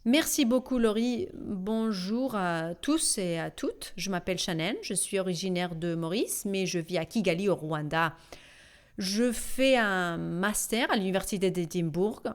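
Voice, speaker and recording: A woman voicing a panel discussion in a measured, deliberate way, with small hesitations. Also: medium pitch, clean tone. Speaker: voice-over translator.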